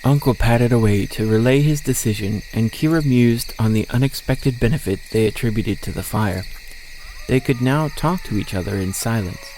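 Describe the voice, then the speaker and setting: A man with a mid-pitched voice narrates a scripted audio story. Faint outdoor nature sounds and insects run behind his reading. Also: darkish tone, a little hiss or hum, poor audio.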